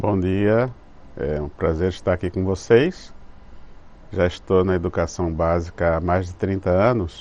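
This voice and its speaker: Fairly slow delivery with ordinary pitch variation and long, frequent pauses. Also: man, very deep, low pitch for a man. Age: 60s. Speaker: chemistry teacher. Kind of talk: panel discussion.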